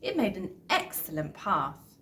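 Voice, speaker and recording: A woman reading a children's picture book aloud, deliberately, as a storyteller. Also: fairly low pitch, sing-song, fairly bright tone, a little hiss or hum. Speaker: school staff member reading a picture book.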